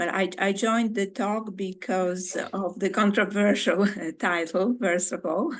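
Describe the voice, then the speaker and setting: Speaking with a Polish accent, a woman at medium pitch keeps her intonation fairly even and hardly pauses at all. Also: fairly slow pace. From Poland. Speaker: audience member. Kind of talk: audience question. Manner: halting.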